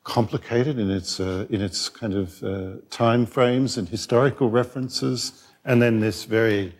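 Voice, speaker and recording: A man's voice: mid-range voice, steady tone, a little slow. A man with an Australian accent moderating a theatre panel, asking long questions with many ums and rephrasings, speaking on a mic at a public event. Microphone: microphone.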